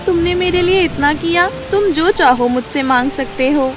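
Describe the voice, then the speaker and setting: A woman playing a young lovestruck fairy, earnest and determined, in an animated fairy tale. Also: high-pitched, moderate pace, music in the background, natural voice. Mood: grateful.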